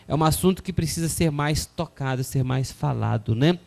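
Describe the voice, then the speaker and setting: A man's voice: on the high side, moderate pace, vocal fry, a little mellow. A man hosting a Christian television program, talking earnestly about forgiveness and reading scripture in a preacherly way. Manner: earnest, preacherly, many filler "né?". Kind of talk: religious talk show, reading viewer messages and scripture.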